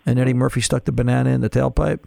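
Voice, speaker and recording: A man's voice: medium pitch, flat delivery, racing, creaky, dark tone, no room sound. A man hosting a call-in radio car show, chatty and explaining patiently, with frequent restarts.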